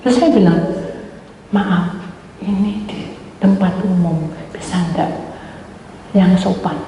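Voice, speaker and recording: A woman pastor preaches in a fairly low voice, acting out her stories as she goes. She swings from loud, high exclamations to quiet asides. The sound comes from an echoing hall with a long reverb tail. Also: takes it slowly, a little hiss or hum. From Indonesia. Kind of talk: sermon with acted-out anecdotes.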